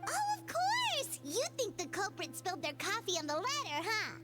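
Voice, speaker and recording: A tiny, chirpy fairy girl companion from a video game. The voice is extremely high and bounces all over, eager and excitable, with loud game music behind it. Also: normal speed, heavily acted.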